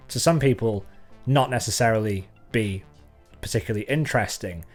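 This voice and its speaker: A man from North Wales, a photographer talking to his viewers in a thoughtful, conversational way. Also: medium pitch. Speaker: photographer and channel host. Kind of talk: reflective talk to camera.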